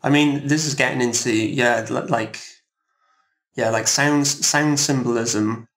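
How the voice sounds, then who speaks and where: A man explaining ideas as an interview guest, in a thoughtful, measured and hesitant way. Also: mid-range voice, fairly even intonation, a bit bright. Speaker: composer, roundtable guest.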